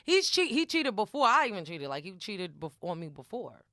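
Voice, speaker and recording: A woman's voice: mid-range voice, very animated, fairly quick, a bit bright, no room sound, clean studio sound. A young woman talking as a podcast guest in a candid, slangy, sweary way, telling personal stories frankly and with emphasis. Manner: frank, unguarded, emphatic storytelling. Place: podcast studio.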